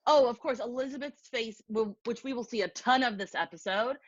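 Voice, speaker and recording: A woman's voice: a little high, fairly quick, no room sound. A woman co-hosting a podcast in casual chat, giggly and chatty. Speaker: podcast co-host. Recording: dull, dry lo-fi sound.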